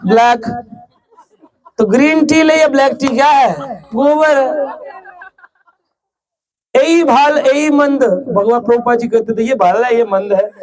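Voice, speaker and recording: A man's voice: extremely high pitch, darkish tone. A man giving a devotional lecture as a preacher, joking, asking the audience questions and acting out little scenes in story voices. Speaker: ISKCON preacher. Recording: live lecture with audible audience laughter. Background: audience laughing.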